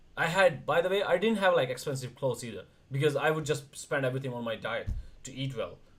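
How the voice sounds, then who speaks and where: A somewhat breathy man's voice, fairly high in pitch, at a very fast pace, with ordinary pitch variation. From India. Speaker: wrestling livestream host. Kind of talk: casual chat. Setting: livestream.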